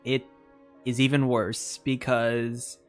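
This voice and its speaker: A female game streamer gives casual live commentary on her gameplay, exclaiming and swearing freely. Her voice is extremely low-pitched, flat and slow, with faint game music in the background.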